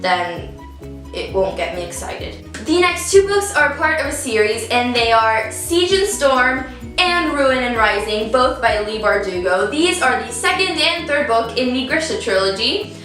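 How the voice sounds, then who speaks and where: A woman's voice: a little high, sing-song, a little slow, a bit bright. A teenage girl with an Italian accent, chatting bubbly and directly to her viewers about books she bought. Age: teens. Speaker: book vlogger. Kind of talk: casual book haul chat. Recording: echoey room, distant mic, faint music.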